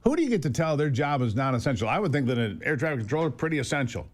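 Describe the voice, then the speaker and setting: A man's voice: mid-range voice, very animated, very fast. A man hosting an opinionated political interview, speaking emphatically with rhetorical questions and repeated phrases for stress. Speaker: talk show host.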